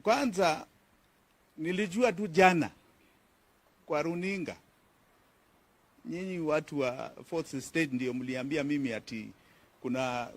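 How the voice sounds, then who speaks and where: A man with a Kenyan accent, a politician answering reporters' questions at a press conference in a firm, emphatic way, repeating key phrases. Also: medium pitch.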